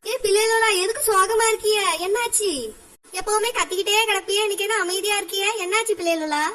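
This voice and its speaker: A woman voicing a sharp-tongued, sarcastic village mother in a cartoon. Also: extremely high pitch, fairly even intonation, brisk. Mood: concerned. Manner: scolding, sarcastic. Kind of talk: cartoon voice acting.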